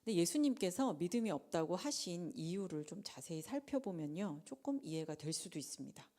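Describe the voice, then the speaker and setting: A woman gives a conversational sermon at a late-night prayer meeting. Her voice sits low and mellow, with a lively, swooping pitch. She voices the people in the story herself and now and then sinks to a whisper to drive a point home. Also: brisk. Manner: animated, acts out the disciples' and Jesus' lines in dramatized quotes; drops to a whisper for emphasis.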